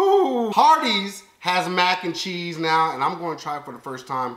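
A man projects a raised voice at a moderate pace. Room echo is audible around him. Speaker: food reaction vlogger. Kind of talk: casual vlog chat. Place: home room. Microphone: camera far.

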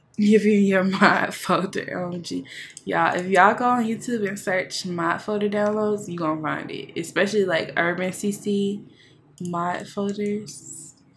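At a fairly slow pace, a woman speaks in a somewhat breathy voice over light background noise. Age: 20s. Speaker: gaming streamer. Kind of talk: casual chat. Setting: live stream.

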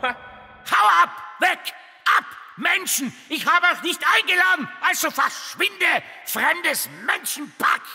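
A man puts on a gruff character voice at an extremely high pitch. He talks fairly slowly with long, frequent pauses over light background noise. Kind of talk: comic puppet-theatre acting. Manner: gruff at first, then confused and forgetful.

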